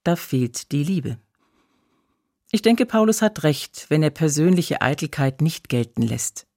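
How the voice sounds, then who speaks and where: A preacher giving a scripted radio devotional, measured in delivery, slowing down to stress key phrases and reading scripture solemnly. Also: medium pitch, sing-song, darkish tone, dry recording, clean studio sound.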